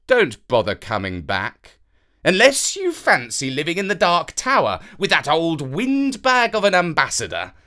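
A narrator voicing a vain, excitable fairytale king in a theatrical, self-satisfied manner. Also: mid-range voice.

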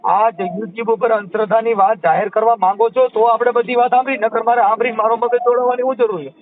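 A man's voice: extremely high pitch, steady tone, quick pace, no echo. A man with a Saurashtra Gujarati accent, questioning a caller in a blunt, insistent way during a phone conversation. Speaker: call taker who records and publishes calls. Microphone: telephone. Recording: tinny narrowband phone call recording.

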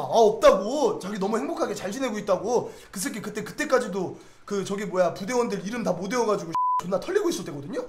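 A young man in his twenties casually telling a story, animated and swearing freely, acting out the voices of the people in it. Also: sits high. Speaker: streamer. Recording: roomy echo.

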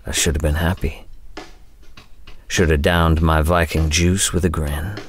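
A man's voice: a bass voice, fairly even intonation, measured pace, slight background noise. An actor playing a world-weary older man, brooding and wry, in a noir audio drama monologue. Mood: wary, weary.

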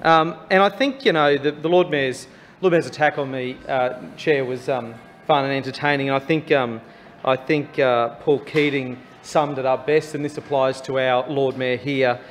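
An Australian man speaking as an opposition councillor in a chamber debate, critical and halting, often repeating words. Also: medium pitch, fairly even intonation, faint music behind. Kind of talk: political debate speech. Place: large wood-panelled council chamber. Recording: reverberant council hall.

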